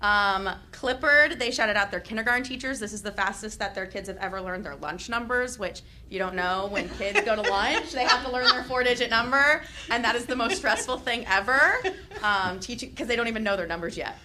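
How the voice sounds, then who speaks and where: A young woman who is a teacher reads shout-outs at a school board meeting, chatty and loud, with laughing asides. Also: on the high side, a little fast, very noisy. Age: young adult. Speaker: teachers association representative.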